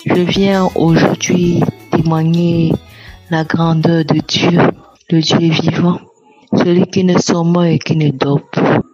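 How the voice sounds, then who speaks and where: A woman's voice: lowish voice, level tone, takes it slowly, darkish tone, breathy edge, lo-fi sound, faint music behind. A young woman, giving an earnest, repetitive, grateful testimony. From Cameroon. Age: young adult. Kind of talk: spoken testimony.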